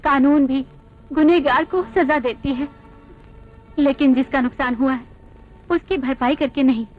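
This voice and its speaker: An earnest, wise sister-in-law. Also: female voice, high-pitched, steady tone, a little slow, soft background music. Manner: earnest, persuasive. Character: wise elder sister-in-law, calm and moral. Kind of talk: Hindi film dubbing. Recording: tinny narrow film audio.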